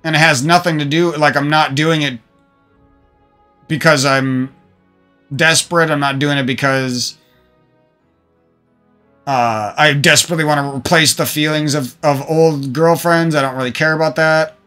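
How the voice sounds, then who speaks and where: Soft background music accompanies a gaming streamer venting to viewers about his past relationships via a desk microphone at home, rambling and swearing with many restarts. He speaks at normal speed in a slightly high, sharp voice with fairly even intonation, pausing often.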